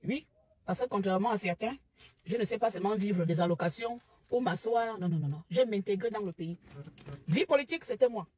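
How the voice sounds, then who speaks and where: Indignant Gabonese woman with husky voice. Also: mid-range voice, fairly quick, no room sound. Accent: Gabonese French. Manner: indignant, rising to loud rhetorical outbursts. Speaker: commentary vlogger. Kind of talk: impassioned opinion monologue.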